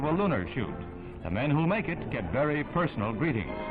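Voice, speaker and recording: A fairly high-pitched man with an American accent, talking at a fairly quick pace with very wide pitch swings, music in the background. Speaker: newsreel narrator. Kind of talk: 1960s newsreel narration. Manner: formal, brisk, authoritative.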